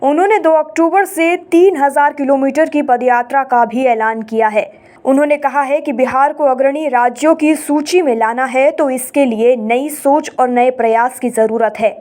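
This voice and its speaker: A woman news anchor reading a scripted bulletin in a brisk, formal manner. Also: high voice, darkish tone.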